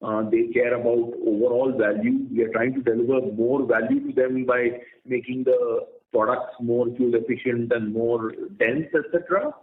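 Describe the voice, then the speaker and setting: A man speaking as a company executive on an earnings call, explaining in a halting way and repeating words. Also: medium pitch, steady tone. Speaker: company executive answering analysts. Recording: roomy, tinny conference phone line.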